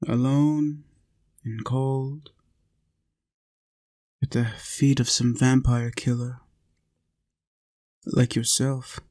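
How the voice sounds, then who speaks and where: A man playing a lonely, tender, centuries-old vampire in an intimate roleplay audio, confiding softly and earnestly. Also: medium pitch, little pitch movement, drawn-out words, pauses often.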